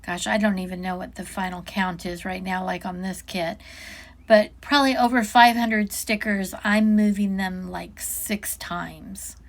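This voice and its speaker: A woman's voice: mid-range voice, steady tone, unhurried. A woman giving a casual, unscripted product walk-through, chatting and musing aloud as she goes, often interrupting herself.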